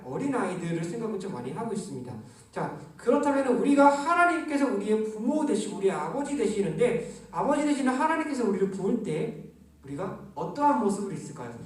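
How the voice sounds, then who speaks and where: A youth pastor in his thirties livestreams a sermon alone from a large church office, speaking through a face mask in a voice that sits high. His preaching is gentle and conversational, with frequent pauses. The room is very echoey and the mic is at a distance.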